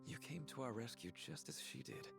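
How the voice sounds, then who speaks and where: An actor playing an earnest, courtly fantasy game villager who speaks in formal, archaic and eloquent phrases. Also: male voice, mid-range voice, very animated, normal speed, gravelly. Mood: earnest, probing. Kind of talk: scripted fantasy game voice acting. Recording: loud game music behind the voice.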